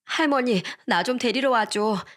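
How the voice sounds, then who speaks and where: A distressed little girl in a storybook tale, childlike and pleading, voiced by a woman narrator. The voice is lifted above the narrator's usual pitch. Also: unhurried, close to an everyday voice. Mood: upset. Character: upset young girl pleading with grandma.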